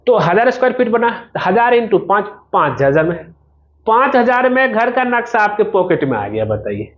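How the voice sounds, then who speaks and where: A man's voice: high voice, big pitch swings, moderate pace, highs cut off. A man giving an informal promotional explainer as a civil engineer, talking the viewer through his service step by step and directly.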